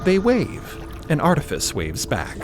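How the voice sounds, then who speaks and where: Slow, expressive male storyteller over music. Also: fairly high pitch. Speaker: narrator. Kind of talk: theatrical scripted fantasy narration.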